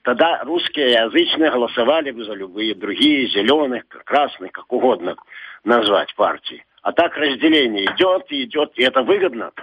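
A man's voice: medium pitch, animated, normal speed, slightly rough. A man calling into a radio show over a landline phone, asking a rambling question and searching for his words. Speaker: radio call-in listener. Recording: dull, dry phone line.

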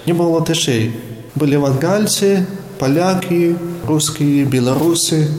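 Young priest talking in an echoey church. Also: male voice, fairly high pitch, a little slow, a little mellow. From Latvia. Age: young adult. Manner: explanatory, searching for words. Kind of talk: interview conversation. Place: inside a church. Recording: echoey church with faint noise.

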